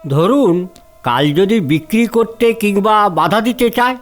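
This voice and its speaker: A man's voice: high voice, animated, unhurried. A man playing a sullen, grasping younger brother in a story, with a pointed, grudging manner. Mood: challenging. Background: music.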